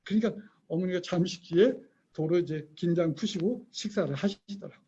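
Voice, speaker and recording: A man with a high, warm, slightly rough voice gives an online parenting lecture at normal speed, the sound lo-fi. He tells stories, acts out the voices he quotes, and quizzes his listeners.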